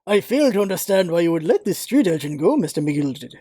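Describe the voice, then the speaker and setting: A man's voice: high voice, very animated, brisk, mellow, slight background noise, pitched below the performer's own voice. A man voicing a stern, formal courtroom judge in a video game. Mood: stern, questioning.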